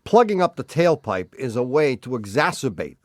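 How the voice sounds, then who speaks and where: A man's voice: medium pitch, dry recording, studio quality. An older man co-hosting a call-in radio show, teasing and laughing as he asks about car noises. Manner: teasing, quick laughs, animated. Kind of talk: joking call-in radio banter. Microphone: studio microphone.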